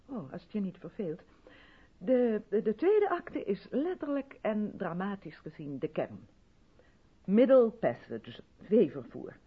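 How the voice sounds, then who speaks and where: An actress plays an effusive, self-absorbed white South African theatre director in a 1970s Dutch radio play, chatty and theatrically patronising. Her medium-pitched, slightly rough voice sounds rapturous and dramatic, captured in a dull vintage radio recording.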